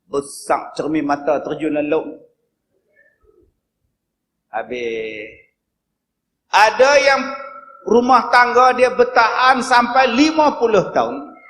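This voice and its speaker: A man with a northern Malay dialect giving a humorous religious lecture as a preacher, telling stories with sudden loud high bursts. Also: slow pace, long pauses, a little hiss or hum.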